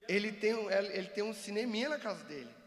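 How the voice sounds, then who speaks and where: A man giving an animated, joking church seminar talk and acting out examples for the audience. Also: high-pitched, fast talker. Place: church hall. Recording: long reverb of a church hall.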